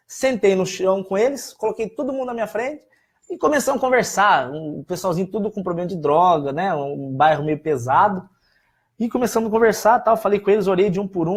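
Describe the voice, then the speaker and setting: A man's voice: sits high, husky. A man, a pastor with a Brazilian Portuguese accent, talking casually and emphatically to his viewers. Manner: animated, emphatic, scolding.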